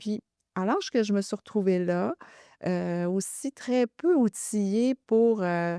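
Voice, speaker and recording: Speaking in a Lac-Saint-Jean accent at a very slow pace, a woman has a medium pitch with ordinary variation and a dark, mellow tone, in a dry, close sound with no echo. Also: very clean recording, silent background. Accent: Lac-Saint-Jean Quebec French. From Quebec, Lac-Saint-Jean. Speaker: former politician and business executive. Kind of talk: podcast interview. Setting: studio. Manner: halting, many fillers.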